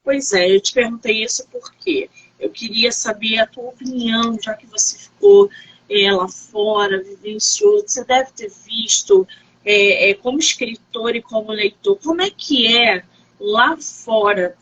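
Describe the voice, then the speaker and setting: Brazilian female host for an informal live interview: highish voice, swooping intonation, wordy questioning. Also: expressive, measured pace, a bit bright, rough recording. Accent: Brazilian Portuguese.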